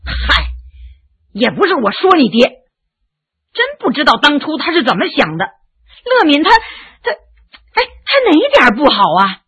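A woman voicing a blunt, excitable but softhearted gentleman who exclaims and sighs a lot. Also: sits high, normal speed, long pauses, lo-fi sound. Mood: exasperated. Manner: impulsive, exclaiming, sighing.

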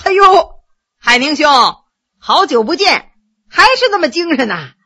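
A woman's voice: high-pitched, very animated, moderate pace, bright, forceful tone, full character voice. A woman voicing a scheming, jovial male Qing-era official who banters glibly, in a told story. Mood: jovial, teasing. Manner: teasing, glib banter.

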